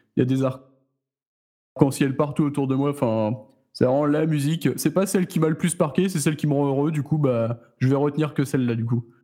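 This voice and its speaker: There are long, frequent pauses as a man with a fairly high pitch and a dark, mellow tone speaks at a fairly quick pace with ordinary pitch variation. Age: 20s. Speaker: industrial draftsman and guitarist, podcast co-host. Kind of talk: casual chat.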